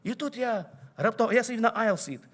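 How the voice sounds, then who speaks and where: A man with a Ukrainian accent preaching a sermon, telling a personal story and building to loud exclamations. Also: very high-pitched, expressive, fast talker. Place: church sanctuary.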